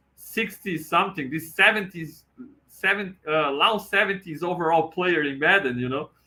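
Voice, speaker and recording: With a non-native accent, a man speaks at a moderate pace, high-pitched and bright, sharp in tone. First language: Portuguese. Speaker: podcast host and former goalkeeper. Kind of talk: casual solo podcast monologue. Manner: halting, with frequent repetitions.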